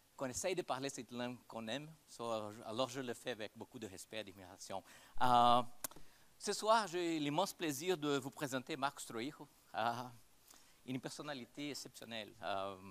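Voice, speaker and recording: A man of medium pitch speaks with a Brazilian accent and lively intonation at a moderate pace, leaving long, frequent pauses. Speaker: business school professor. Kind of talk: speaker introduction.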